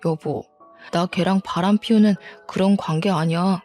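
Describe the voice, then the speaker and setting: A woman's voice: fairly low pitch, steady tone, moderate pace, a little mellow, faint music behind, natural voice. Woman voicing a blustering cheating husband. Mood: pleading. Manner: blustering, contemptuous retorts. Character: defensive cheating husband, a gym owner, quick-tempered. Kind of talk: storybook drama reading.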